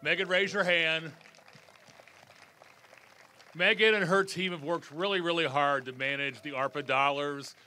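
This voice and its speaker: Male emcee, slightly high, bright, jovial, joking with the crowd at an outdoor ceremony. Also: fairly even intonation, a little slow, pauses often. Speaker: event emcee, city parks official.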